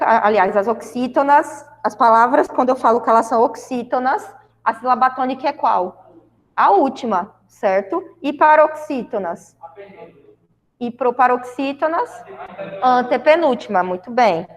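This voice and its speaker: A woman's voice: high voice, in a large hall. A Brazilian woman teaching a grammar lesson to a class, explaining step by step and often checking in with her students. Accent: Brazilian Portuguese. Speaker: school Portuguese teacher.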